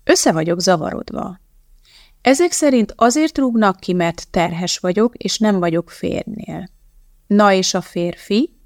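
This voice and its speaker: A woman reading an audiobook, voicing a calm, unflinching young woman scientist who speaks in a matter-of-fact way. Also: medium pitch, no room sound, studio quality, natural voice. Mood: calm and firm.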